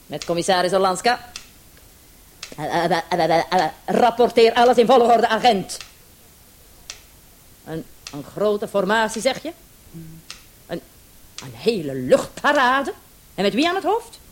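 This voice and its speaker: An actress playing a brisk but indulgent female police commissioner in a Dutch radio play. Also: mid-range voice, big pitch swings. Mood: brisk, official. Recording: hissy old radio play recording with clicks.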